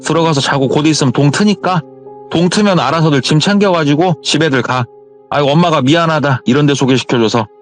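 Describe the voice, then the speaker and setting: A man voicing a calm, brisk middle-aged woman shaman reassuring the boys. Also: a little high, faint music behind, pitched above the performer's own voice, natural voice.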